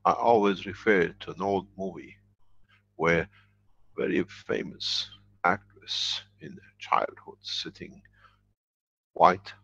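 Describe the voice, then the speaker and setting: Lecturing man, very deep gravelly voice, husky, emphatic and repetitive, dull lo-fi recording. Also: takes it slowly, pauses often, a bit bright, no room sound. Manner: emphatic, repeats key phrases. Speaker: workshop lecturer. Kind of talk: spoken workshop lecture.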